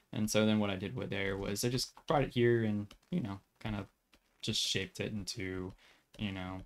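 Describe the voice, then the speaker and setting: Using an ordinary speaking voice, the man talks at a moderate pace with a fairly low pitch and fairly even intonation. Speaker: 3D character artist giving feedback. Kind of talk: tutorial. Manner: casual, filler-heavy.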